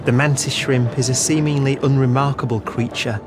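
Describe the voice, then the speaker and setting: A man narrates a nature documentary as its presenter, with music prominent behind him. His delivery is measured and full of wonder, explaining things clearly as he goes. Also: medium pitch, steady tone. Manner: measured, marvelling. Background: prominent background music.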